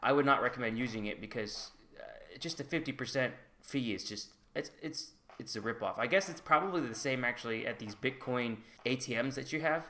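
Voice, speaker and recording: A brisk, bright, forceful medium-pitched voice comes through with slight background noise. The speaker, an American vlogger and native English speaker, talks casually to his channel's camera about his own experience, candid and hedging with "like" and "I guess."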